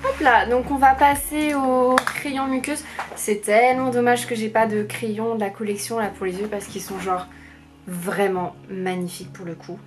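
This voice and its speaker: A woman's voice: fairly high pitch, little pitch movement, normal speed. A young woman chatting casually through a makeup tutorial, rambling with many fillers, recorded on a camera mic at home. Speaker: beauty vlogger. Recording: faint background music.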